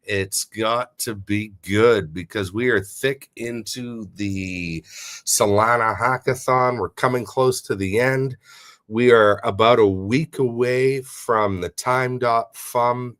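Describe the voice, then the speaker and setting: A man hosting a casual live audio stream, sounding nasal and stuffy from a head cold and giving upbeat shout-outs to listeners. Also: mid-range voice, takes it slowly. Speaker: host. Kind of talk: casual livestream chat.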